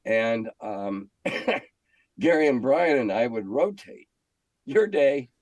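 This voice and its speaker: An older American man telling stories casually in an interview, candid and halting, often clearing his throat. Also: medium pitch, expressive, no room sound. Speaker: interview guest, game industry veteran. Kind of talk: casual reminiscing conversation.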